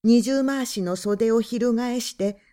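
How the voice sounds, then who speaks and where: A woman narrating a literary story aloud in a calm, measured, hushed first-person voice. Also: a little high. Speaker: audiobook narrator.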